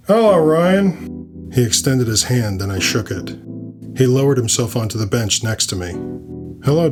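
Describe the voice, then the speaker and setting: A man narrating scripted urban fantasy fiction in the first person, with a dry, wry delivery. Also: lowish voice.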